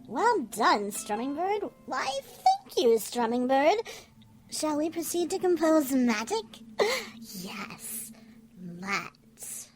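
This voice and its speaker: A woman's voice: high-pitched, very animated, slow, faint music behind, exaggerated voice. A woman voicing a whimsical, self-delighted songbird in a fantasy audio drama, theatrical and talking to itself. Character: whimsical self-praising songbird composing magic ballads.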